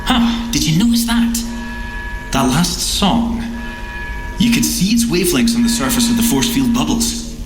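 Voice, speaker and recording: A young Scottish scientist agent, full of boyish enthusiasm and cheek. His delivery is very lively in pitch, echoing over a music bed, as in an adventure audio drama. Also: moderate pace. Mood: curious. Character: young male gadget-whiz scientist agent, eager, dreamy, cheeky. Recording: echoey, music bed underneath.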